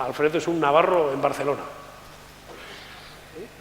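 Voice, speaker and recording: Against noticeable background noise, a man talks with a fairly high pitch. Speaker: panel moderator. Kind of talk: panel discussion. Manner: hesitant, repeats words.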